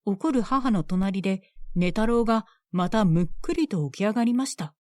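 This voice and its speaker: A woman's voice: medium pitch, moderate pace, dry recording, studio quality. Woman narrating a bedtime tale. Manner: gentle, even storytelling. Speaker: storyteller. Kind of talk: scripted bedtime story narration.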